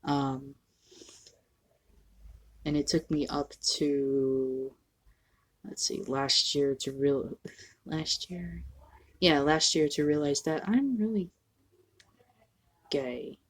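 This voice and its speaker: A young trans man talking candidly to the camera in a casual home vlog, halting and self-deprecating, sniffly from allergies. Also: on the high side. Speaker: vlogger. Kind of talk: casual personal vlog monologue.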